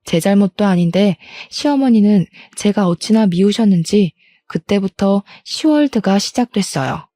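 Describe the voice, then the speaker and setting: A young woman recounts her own ordeal in a confiding, aggrieved tone. Her voice is mellow and soft at a medium pitch. It is recorded close and dry, with no room sound. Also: animated, normal speed, dry recording. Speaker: storyteller. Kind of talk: first-person story narration.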